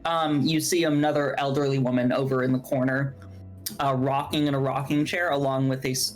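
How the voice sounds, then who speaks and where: A woman's voice: extremely low pitch, low-quality recording. A woman narrating a tabletop game as game master, describing scenes at length with many fillers.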